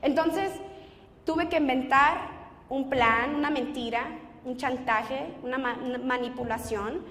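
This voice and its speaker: A woman's voice: sits high, steady tone, a little slow, a bit bright. A young woman giving a personal testimony with strong feeling, acting out what she and others said. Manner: emotional, reenacts dialogue. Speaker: testimony speaker. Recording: echoey hall with long reverb.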